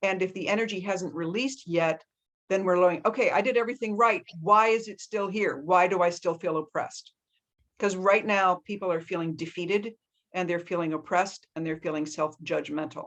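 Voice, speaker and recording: A woman at a medium pitch talks at a fairly quick pace with ordinary pitch variation. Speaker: psychic. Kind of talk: interview. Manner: fast; animated.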